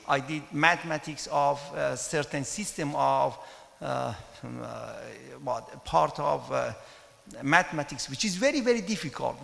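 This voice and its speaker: A middle-aged man from Iran with a Persian accent, giving an informal conference talk in a halting, hesitant way. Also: on the high side, gravelly, fairly bright tone. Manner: hesitant, halting delivery with frequent pauses. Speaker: mathematics professor and conference speaker. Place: large conference hall, indoors at a podium. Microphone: handheld microphone. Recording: echoey hall with long reverb.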